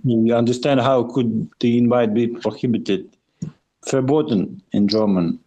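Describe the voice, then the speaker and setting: A man with a soft-edged, mellow voice at an average male pitch co-hosts a podcast. He talks casually and rambles, hesitating often and repeating words as he feels his way through each thought. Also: fairly even intonation, measured pace, rough recording. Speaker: podcast co-host.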